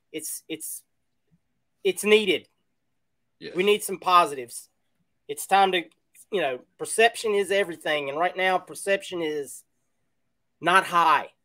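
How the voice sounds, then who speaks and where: Against a quiet background, a raised, projected voice with a bright, sharp tone moves at a fairly slow pace with ordinary pitch variation and long, frequent pauses. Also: man, high pitch for a man, big swings in loudness. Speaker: sports podcast host. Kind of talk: casual chat. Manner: animated. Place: home room.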